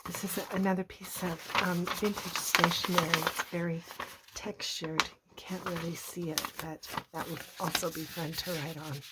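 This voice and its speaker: A middle-aged woman with a hoarse, croaky voice, casually showing handmade journals. She talks softly and often slips into a whisper. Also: fairly low pitch, flat delivery, normal speed, few pauses, heavy background noise. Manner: soft-spoken, often drops to a whisper. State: hoarse, recovering from a cough. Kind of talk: casual show-and-tell narration.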